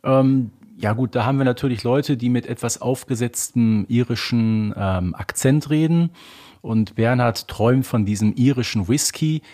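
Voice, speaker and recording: A man's voice: mid-range voice, moderate pace, a little mellow. A man co-hosting a podcast, explaining things in a casual conversational style. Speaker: podcast co-host.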